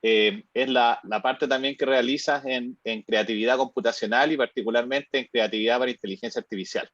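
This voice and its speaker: A man's voice: medium pitch, fairly even intonation, fairly quick, a bit bright, no room sound. A man hosting an online seminar, introducing a guest hesitantly with many fillers. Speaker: host. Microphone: video call. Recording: dry, muffled video call audio.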